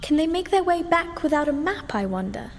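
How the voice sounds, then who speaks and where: A woman's voice: high voice, big pitch swings, a little fast. A woman voicing a curious, wistful, otherworldly child in a video game, musing dreamily. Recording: long reverb, faint music behind.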